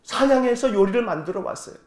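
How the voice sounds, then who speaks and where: A man's voice: extremely high pitch, animated, fast, a little mellow, reverberant. A man voicing a wronged grown son who pleads tearfully with his father. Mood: pleading. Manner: pleading, plaintive.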